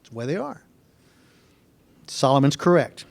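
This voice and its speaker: A man's voice: mid-range voice, sing-song, moderate pace, vocal fry. A man teaching a Bible lesson verse by verse, folksy and earnest, repeating his key points.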